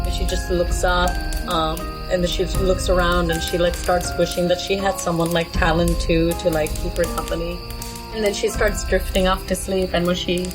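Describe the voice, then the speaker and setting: A woman's voice: on the low side, low-quality recording. A woman player casually improvising a story about her character in a tabletop role-playing game, rambling and giggly, saying "like" often. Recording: music playing behind the voice.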